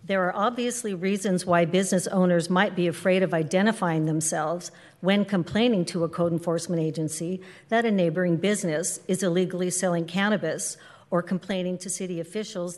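A woman's voice: on the low side, fairly even intonation, fairly quick, a little mellow. A woman reading a formal prepared statement aloud as a public commenter at a council meeting. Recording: echoey hall with long reverb.

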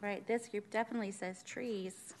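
A woman's voice: mid-range voice, fairly even intonation, moderate pace, darkish tone, slight background noise. A woman commissioner at a city meeting, calling up awardees in a chatty, cheerful way. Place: city council chamber.

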